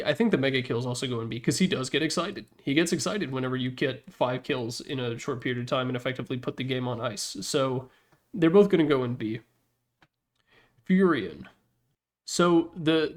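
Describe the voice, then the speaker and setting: A man giving casual, opinionated commentary in an informal, blunt way, as a gaming content creator. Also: medium pitch.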